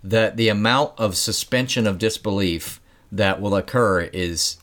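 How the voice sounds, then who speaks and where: Low-voiced man musing in casual chat. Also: unhurried, a bit bright. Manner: musing, restarts words, chuckles often. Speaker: podcast guest; former radio host.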